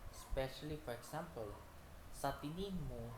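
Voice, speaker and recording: A man with a Filipino accent rambles in an unscripted monologue, haltingly, repeating himself and breaking off phrases. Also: mid-range voice, expressive. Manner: halting, repetitive, with broken-off phrases. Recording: echoey room with loud background noise.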